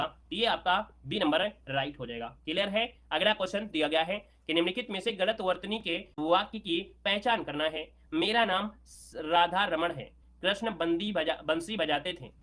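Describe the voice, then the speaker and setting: A man teaching Hindi grammar for an exam, working through questions aloud, repeating words and checking that it is clear. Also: sits high, a bit bright. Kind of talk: exam prep lesson.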